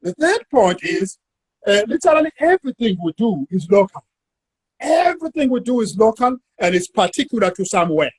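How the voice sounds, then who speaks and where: A South African man, a university academic, talking through an academic discussion in a measured way and drawing words out while he thinks. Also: high voice, big pitch swings, husky, no echo, rough recording.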